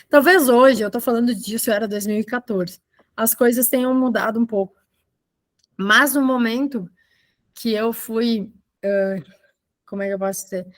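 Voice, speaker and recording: A woman from Argentina living in Brazil, a photojournalist giving an informal online talk in a halting, conversational way with trailing asides. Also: on the high side. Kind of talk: informal online presentation of own work. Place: video call.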